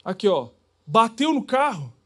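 A man preaches with a high-pitched voice and a lively, conversational delivery. He acts out little scenes as he preaches. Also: unhurried. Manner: animated, acts out dialogues. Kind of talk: sermon.

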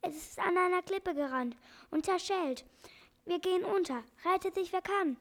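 A woman voicing a frantic parrot in a children's story, shrieking alarm. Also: moderate pace. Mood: panicked. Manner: shrill, shouting alarm.

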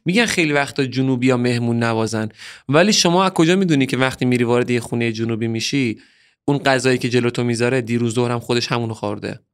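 A man's voice: medium pitch, clean tone. A man from Bushehr in southern Iran, a musician guest on a podcast, talking casually in an earnest, opinionated way that turns heated at times.

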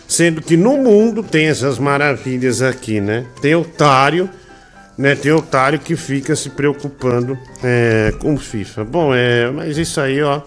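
A man from Brazil, hosting a casual live stream, slangy and teasing at an unhurried pace. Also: on the high side. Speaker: livestream show host.

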